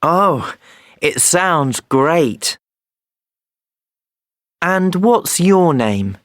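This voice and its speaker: A woman asking and reading scripted textbook lines slowly and clearly for learners. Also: low-pitched, big pitch swings, no room sound, studio quality. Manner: slow, lilting, clearly articulated speech. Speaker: textbook audio interviewer.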